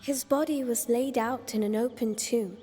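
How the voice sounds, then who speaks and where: An actress playing an enigmatic, playful girl guide in a mythic Persian video game, with a cryptic, gently teasing manner. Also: fairly high pitch, steady tone, normal speed, close to an everyday voice. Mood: calm, informative. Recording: long reverb, faint music behind.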